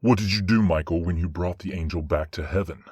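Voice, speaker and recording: Male angel judge, voiced by an actor: low, formal, commanding yet fair, with a dry, close sound. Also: fairly quick, breathy edge, dry recording. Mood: measured, questioning. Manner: formal, commanding, even-handed. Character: measured, authoritative male judging archangel. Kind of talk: dramatic audio roleplay acting.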